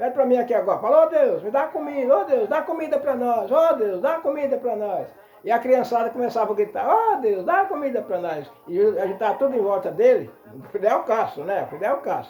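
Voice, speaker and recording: A man speaks at an extremely high pitch, his voice swinging very widely up and down at a fairly quick pace. Noticeable background noise runs under the recording. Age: 80s+. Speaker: elderly storyteller. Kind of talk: casual storytelling monologue. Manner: halting, repeats words.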